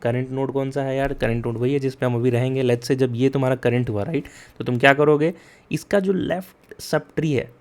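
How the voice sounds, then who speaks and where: A young man, a coding tutor, giving a casual spoken lesson. He talks to his students directly, checks in with them often, and explains slowly and deliberately. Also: mid-range voice, fairly even intonation, darkish tone, clean tone. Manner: mixes Hindi and English, chatty with frequent "yaar" and "theek hai?"; addresses students directly and urges them to take notes.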